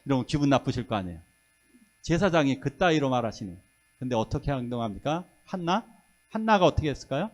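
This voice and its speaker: A man's voice: mid-range voice, fast talker. A middle-aged male pastor preaching a sermon, telling stories and acting out the voices of the people in them. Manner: lively storytelling sermon, acting out quoted voices.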